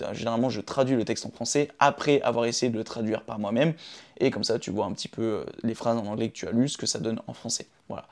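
A man's voice: on the low side, a little mellow. A young man giving casual advice straight to the camera, often checking in with "d'accord?" and "ok?". He records on a phone in his room. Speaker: vlogger sharing his daily routine.

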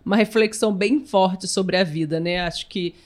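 A woman's voice: medium pitch, normal speed, darkish tone. A woman with a Brazilian Portuguese accent co-hosting a live podcast, friendly and conversational, reading out listener comments. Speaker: podcast co-host.

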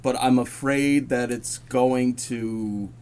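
A man's voice: mid-range voice, steady tone, slow pace, darkish tone. Hesitant male podcast co-host. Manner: hesitant, filler-heavy. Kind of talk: casual film discussion.

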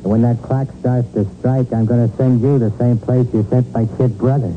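An actor playing a menacing, vengeful American gangster in a 1940s radio crime drama, talking tough, slangy and taunting. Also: male voice, mid-range voice, steady tone, moderate pace, close to an everyday voice. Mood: taunting menace. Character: menacing, vengeful gangster racketeer, sneering and cocky. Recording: muffled vintage radio broadcast, loud music.

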